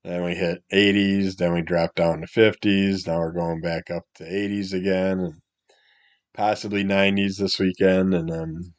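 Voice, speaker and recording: A middle-aged man, hoarse and congested from a cold, rambling casually as he opens a comic book review and often trails off into mumbles. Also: low voice, flat delivery, moderate pace. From Wisconsin. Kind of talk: casual solo review chat.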